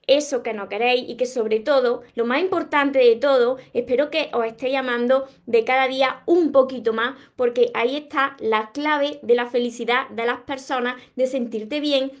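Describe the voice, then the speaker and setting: A woman from Córdoba with an Andalusian accent, giving an earnest, encouraging motivational talk to her viewers on a live stream. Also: sits high. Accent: Andalusian Spanish. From Córdoba, Andalusia, Spain. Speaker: motivational content creator and author.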